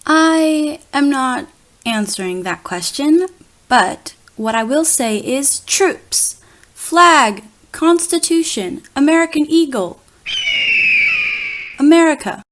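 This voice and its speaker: Woman as a grandstanding, higher-voiced senator. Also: animated, takes it slowly, a bit bright, a little hiss or hum, exaggerated voice. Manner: emphatic, oratorical, slogan-like delivery. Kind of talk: staged reader's theater political satire.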